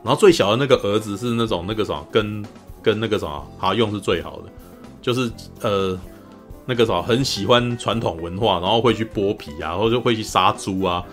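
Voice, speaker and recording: A man's voice: on the low side, a little fast, faint music behind. Rambling man retelling a story. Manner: rambling, many fillers, acts out quoted lines in a raised voice. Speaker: podcast host. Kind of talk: casual chat, retelling a TV drama plot.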